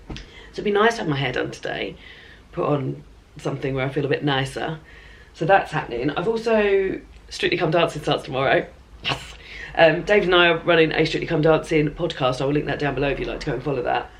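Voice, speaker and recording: A book vlogger with a hoarse, low-pitched voice and a chesty cough chats casually to camera from her bed at home. Her reading vlog rambles, with plenty of ums and throat clearing.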